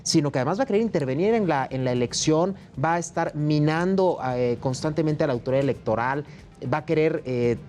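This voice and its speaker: A man from Mexico, a political guest on a panel show, arguing his points in an emphatic, steady way. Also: a little high, fairly quick, faint music behind. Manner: emphatic, argumentative. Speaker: opposition party politician guest.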